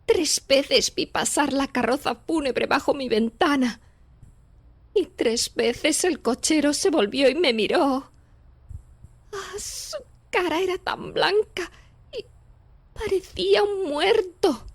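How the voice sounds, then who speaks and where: An actress playing a frightened young artist's model haunted by dreams, earnest and insistent, in a dramatized audiobook. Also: female voice, high voice, slow. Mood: terrified. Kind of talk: dramatized audiobook acting in Spanish.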